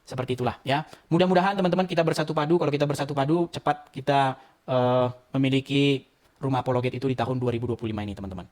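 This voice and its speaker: A man's voice: mid-range voice, racing, a little mellow. A man hosting his own channel, talking straight to a phone camera in a heated, emphatic livestream monologue. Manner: emphatic, heated, repeats "gitu loh". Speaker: channel host.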